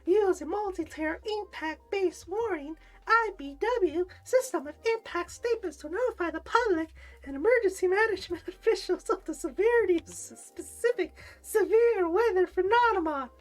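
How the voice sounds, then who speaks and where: A woman putting on a high nasal flamboyant voice. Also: animated, normal speed. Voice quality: nasal, twangy. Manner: reads text aloud in a bright exaggerated tone. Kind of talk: practice reading on a livestream.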